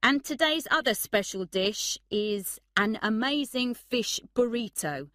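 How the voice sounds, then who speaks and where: A woman's voice: fairly high pitch, a bit bright, no room sound, studio quality, voice pushed up. A woman reading the lines of a male restaurant manager who announces the day's dishes to his staff in a raised, announcing voice.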